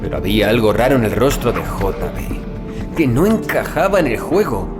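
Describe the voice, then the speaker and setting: This is a mid-range male voice narrating a scripted horror audiobook with music underneath. He's very animated yet grave and deliberate, lingering on the final words of each phrase.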